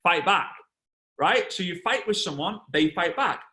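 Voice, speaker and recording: Englishman in his thirties, bright and a touch high, animated trainer acting out a story over a video call. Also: measured pace. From England. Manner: animated storyteller, acts out voices and shouts. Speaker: network marketing trainer.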